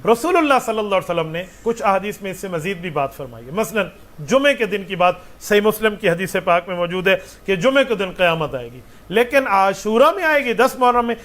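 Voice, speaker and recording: A man's voice: high voice, big pitch swings, fairly quick, a bit bright. A man, a mufti answering religious questions with patient explanations and rhetorical questions.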